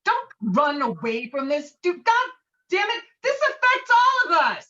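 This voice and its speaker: A woman playing a loud, stubborn, indignant war veteran in a table read, bombastic and combative. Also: extremely high pitch, sing-song, a little slow, exaggerated voice. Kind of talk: amateur virtual table read. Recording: dull, lo-fi call audio.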